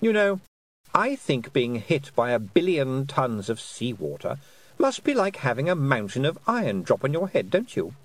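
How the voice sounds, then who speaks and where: A man's voice: mid-range voice, big pitch swings, normal speed, dry recording, pitched above the performer's own voice. A man reading aloud and voicing a cruel, mocking fairy queen who taunts a girl. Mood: taunting. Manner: silky, taunting, condescending.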